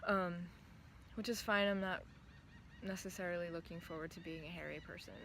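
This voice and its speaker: A trans man talks through his thoughts in a casual vlog, his voice still often heard as female. He pauses, says um a lot and restarts sentences. A clear, steady noise runs under the recording, maybe from a vehicle. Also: high-pitched. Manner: thoughtful, hesitant, many ums and restarts. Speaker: vlogger.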